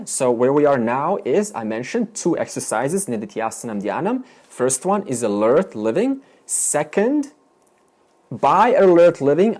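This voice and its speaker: A man lecturing a Vedanta class, his voice rising and falling in a lively, animated way. He explains each idea step by step and keeps turning questions to his students. His pitch sits in the middle for a man. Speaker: Vedanta teacher.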